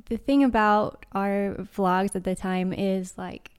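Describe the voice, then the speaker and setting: A woman's voice: mid-range voice, fairly even intonation, slow pace, smooth. A woman chatting casually and playfully as a podcast host, her S sounds whistling from a speech impediment. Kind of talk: casual chat.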